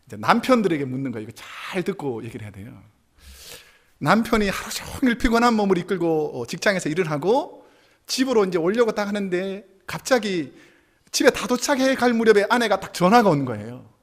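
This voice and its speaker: Lively high-voiced male pastor. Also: fairly quick. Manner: animated, acts out spouses' quips, chuckles with congregation. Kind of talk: sermon. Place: church sanctuary.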